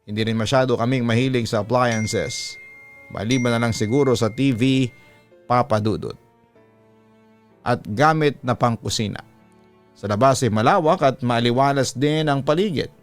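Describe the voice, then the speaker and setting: A man with a Filipino accent hosts a scripted first-person horror story, reading a letter aloud. His voice is medium-pitched and his pace moderate, with background music underneath.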